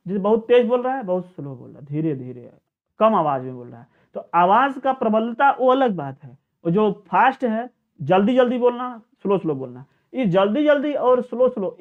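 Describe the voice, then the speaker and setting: Man, teacher, high voice, exam-prep lecture, tinny phone-like recording. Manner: slow chanting of verses; repeats and restarts phrases.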